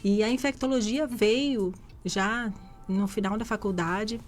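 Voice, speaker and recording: A woman's voice: medium pitch, unhurried, soft background music. Woman explaining. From Rio de Janeiro, Brazil. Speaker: physician guest. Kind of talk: radio interview answers. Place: radio studio.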